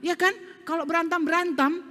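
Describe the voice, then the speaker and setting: A woman teaching a children's Sunday school lesson, lively and coaxing, asking the children questions. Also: very high voice, a little fast. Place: church hall. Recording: church live stream with long reverb.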